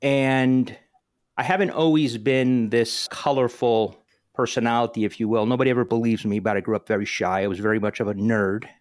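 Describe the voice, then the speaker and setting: A man's voice: mid-range voice, fairly even intonation, fairly quick. A man in his forties who grew up in New Jersey and speaks Greek as his first language, hosting a podcast in an upbeat, chatty way. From northern New Jersey. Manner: talkative and upbeat, with frequent restarts. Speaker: podcast host. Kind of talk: casual podcast conversation.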